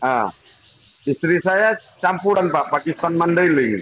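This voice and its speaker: This man has a high pitch with ordinary variation. He speaks at a fairly slow pace. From Medan, North Sumatra. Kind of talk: panel discussion.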